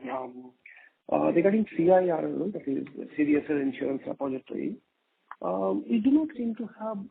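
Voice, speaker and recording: Creaky, lively Indian man on the phone. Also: on the high side. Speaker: investor caller asking questions. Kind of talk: earnings call questioning. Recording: muffled narrow telephone line.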